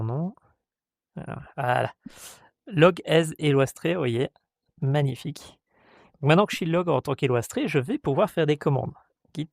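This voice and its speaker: A man hosting a tech tutorial, talking step by step with many hesitations and playfully voicing what the software asks him. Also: medium pitch, creaky, no room sound, clean studio sound. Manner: hesitant, many "euh" fillers, reads out codes step by step; voices the software in playful mock dialogue. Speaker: tutorial host. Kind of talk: screen-recorded tech tutorial.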